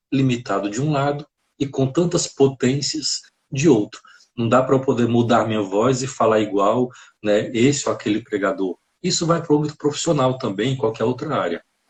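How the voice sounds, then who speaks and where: Somewhat breathy, a man talks at a moderate pace. His pitch varies in an ordinary way. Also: medium pitch for a man. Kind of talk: casual chat. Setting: live stream. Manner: careful articulation.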